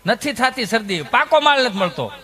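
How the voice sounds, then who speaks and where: A male stand-up comedian with a Kathiawadi Gujarati accent, storytelling with lots of animation. His voice is very high and bright, with a sharp edge. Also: moderate pace. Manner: animated, mimicking people in his stories.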